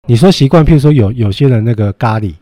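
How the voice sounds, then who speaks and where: A man co-hosts casually in Mandarin with a Taiwanese accent. His tone is dark and relaxed, yet his intonation moves in animated swings. He comes across as a reluctant, exasperated contrarian in friendly banter. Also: medium pitch, fast talker, no echo, studio quality. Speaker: podcast co-host.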